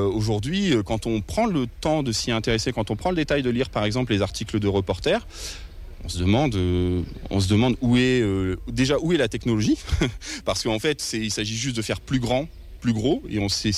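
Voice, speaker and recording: Young male activist from northern France, earnest, hesitant, being interviewed at a protest. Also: mid-range voice. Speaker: ecologist activist.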